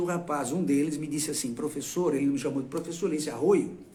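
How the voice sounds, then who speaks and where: Amid audible room echo and noticeable background noise, a man talks with fairly even intonation. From Brazil. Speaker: communication and public speaking teacher. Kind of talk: live stream talk. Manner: emphatic, raised tone when reading.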